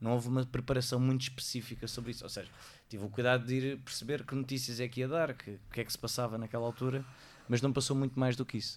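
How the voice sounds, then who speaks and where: A man speaks at a very fast pace and medium pitch. His intonation stays monotone and flat. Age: 30s. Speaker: actor. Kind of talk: casual chat.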